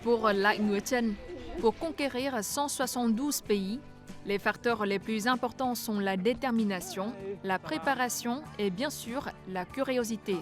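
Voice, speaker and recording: A woman narrating a news feature as a voice-over, reading in a measured way. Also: fairly high pitch, music in the background.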